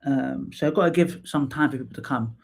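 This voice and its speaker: A woman, hosting a live stream in a casual, chatty way, full of fillers and restarts and quick to laugh. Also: a bass voice, gravelly, a little mellow, breathy edge. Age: 30s. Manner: chatty, laughs easily, lots of fillers and repeats. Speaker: livestream host and psychotherapist. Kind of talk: casual livestream chat.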